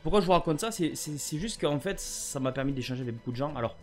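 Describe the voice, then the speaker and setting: A man's voice: on the high side, lively intonation, fast talker, faint music behind. A French man chatting casually to camera about a gift, often rambling and stammering over his words. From France. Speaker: gaming vlogger.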